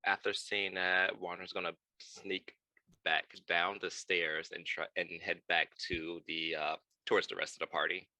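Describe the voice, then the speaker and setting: Male tabletop player, very low pitch, dry recording, casual game chat. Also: level tone, measured pace, sharp tone, dry recording, rough recording.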